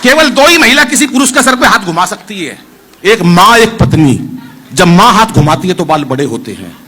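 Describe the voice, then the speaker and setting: A bright, high-voiced man performs comic stories live before an audience at a poetry gathering. He speaks straight to the crowd, coaxing applause. Faint ambience hangs in the background. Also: very animated, normal speed, slight background noise. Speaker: stand-up poet at a poetry gathering. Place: live event venue with an audience.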